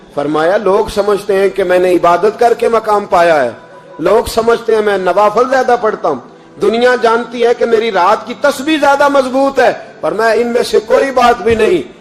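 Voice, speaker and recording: A man with a high-pitched voice talks while music plays behind him. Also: ordinary pitch variation. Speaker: Islamic preacher giving a sermon. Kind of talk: emotional religious sermon (bayan) with storytelling. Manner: emotive, dramatic, passionate delivery.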